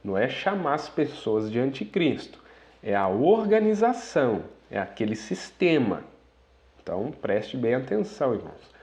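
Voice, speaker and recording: A man's voice: medium pitch, very animated, moderate pace, darkish tone. A man preaching a sermon, reading quoted passages aloud and breaking in with asides to the brethren.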